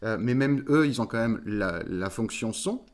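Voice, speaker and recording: A man, a voice coach, explaining in an interview and often pausing to search for words. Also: lowish voice, expressive. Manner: thoughtful, searching for words with many fillers. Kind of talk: interview conversation.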